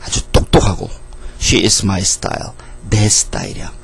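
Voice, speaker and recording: A middle-aged man gives a grammar lesson, tossing out questions and answering them himself. His voice is gravelly with a husky edge. He keeps the lecture lively and conversational. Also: fairly low pitch, slow pace. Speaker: English teacher.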